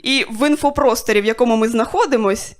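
High-voiced woman doing stand-up. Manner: dry storytelling with quick voiced asides. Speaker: stand-up comedian. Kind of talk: stand-up comedy set. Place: stage of a small comedy club.

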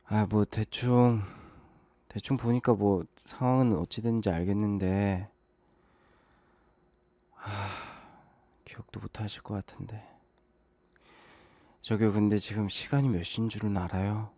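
Guy on a late night phone call, whispered role-play, low mellow voice, dry close sound. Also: measured pace, pauses often, no room sound. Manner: calm, hushed phone talk that turns urgent and reassuring.

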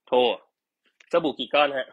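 A man's voice: unhurried, dull audio. A man chatting casually and teasing jokingly while selling products on a live stream.

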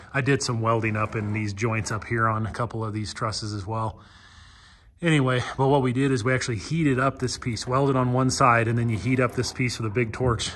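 A young man in casual vlog narration, explaining his building work step by step in an easygoing way with many pauses, speaking into a handheld camera in an unfinished hangar and an open field. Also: mid-range voice, a bit bright. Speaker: vlogger, pilot building a hangar. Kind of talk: casual walk-through narration. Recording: noisy outdoor recording.

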